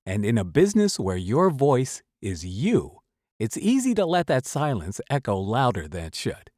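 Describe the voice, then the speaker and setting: Male host, motivational advice read, very expressive intonation, emphatic with deliberate pauses, dry recording. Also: medium pitch, dry recording. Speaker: host, voice-over coach. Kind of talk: motivational talk to camera, semi-scripted advice.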